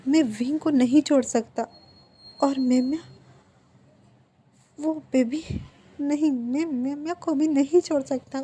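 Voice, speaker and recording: A woman's voice: sits high, dark tone, a little hiss or hum. A woman voicing a young husband who pleads and breaks off in despair. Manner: pleading, breaking off mid-sentence.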